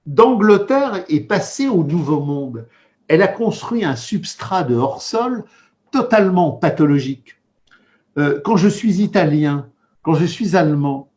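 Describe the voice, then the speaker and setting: Male commentator, fairly high voice with wide swings, emphatic repetitive rhetoric, heated political monologue. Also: darkish tone. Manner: emphatic, rhetorical repetitions, dense theoretical vocabulary.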